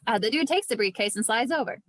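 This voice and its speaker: A woman reading screenplay stage directions as scripted narration, with vivid, deliberate storytelling. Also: fairly high pitch, lively intonation, fairly bright tone, no room sound.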